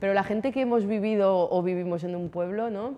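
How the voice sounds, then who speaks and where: In a Navarrese accent, a woman speaks with a dark, mellow tone and ordinary pitch variation. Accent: rural Navarrese. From Navarre, Spain (village). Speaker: novelist. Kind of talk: author talk. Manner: talkative.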